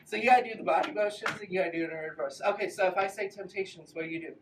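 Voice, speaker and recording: A woman teaching a children's Bible class in a playful, animated way, coaxing the kids to join in. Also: fairly low pitch, rapid-fire, far from the mic, background noise. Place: large echoey room with a group of children. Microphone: camera at a distance. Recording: roomy echo, recorded from afar.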